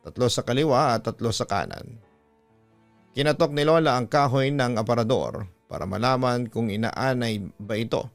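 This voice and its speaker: A man's voice: medium pitch, normal speed. Male Filipino storytelling host, mid-range voice, scripted first-person horror narration over a music bed. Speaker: storytelling host reading listener letters. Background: background music.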